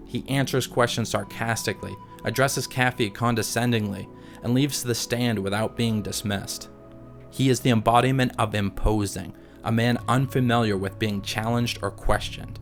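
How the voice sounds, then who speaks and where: A man reading scripted analysis as a video essay narrator, in a measured, articulate, explanatory manner. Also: medium pitch, steady tone. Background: background music.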